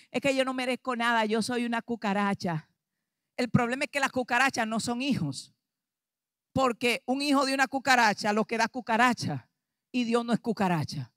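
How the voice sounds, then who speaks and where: A woman pastor with a Dominican Spanish accent preaching an animated sermon, acting out dialogue and rising to shouts. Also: on the high side, no room sound, clean studio sound. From Dominican Republic.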